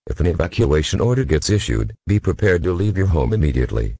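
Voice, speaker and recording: A man's voice: low-pitched, big pitch swings, quick pace, dark tone, husky. A man reading a formal, impersonal scripted emergency bulletin as an alert announcer.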